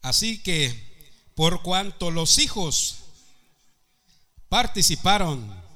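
A man preaching a sermon. His voice is very bright and a little high, and he speaks slowly and deliberately, firing questions at the congregation and building to emphatic peaks. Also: sing-song.

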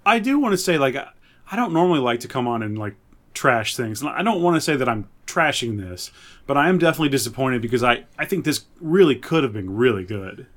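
Medium-pitched man in casual, hedging chat. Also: big pitch swings, quick pace. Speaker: podcast co-host. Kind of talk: casual chat reviewing superhero TV.

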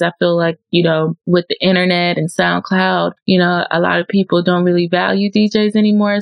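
A woman hosting a podcast, talking in a relaxed, laid-back casual chat. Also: fairly low pitch, gravelly, no echo. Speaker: podcast host.

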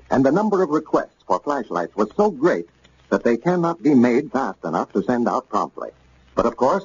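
A man's voice: medium pitch, a little mellow. Folksy 1940s radio announcer, man. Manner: friendly, folksy introductions and ad talk. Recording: dull old radio recording with faint hiss.

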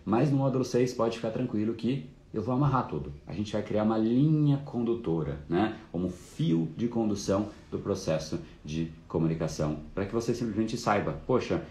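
Guy hosting a live class, low voice, lots of fillers, kinda roomy sound. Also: lively intonation, moderate pace, few pauses, a little mellow. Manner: casual, fluent explaining with frequent fillers. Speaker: course host. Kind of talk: live-stream course talk.

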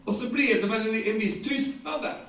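A Swedish-accented man preaches a sermon in a loud, echoing room, heard from some distance. His voice sits a little high for a man, and he retells the scripture in lively, everyday language, stumbling over repeated words as he goes. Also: gravelly, a little hiss or hum. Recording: echoey, distant room sound.

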